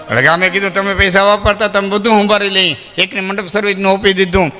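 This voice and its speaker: High, bright-voiced folk storyteller. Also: male voice, little pitch movement, fast talker, in a large hall, soft background music. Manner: addresses the audience as friends, moralizing asides. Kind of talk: live folk humor storytelling on stage.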